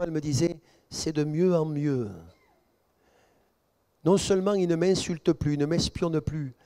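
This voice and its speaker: A middle-aged man preaching a sermon as pastor, telling a story with quoted dialogue and building to excited, emphatic peaks. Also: a little high.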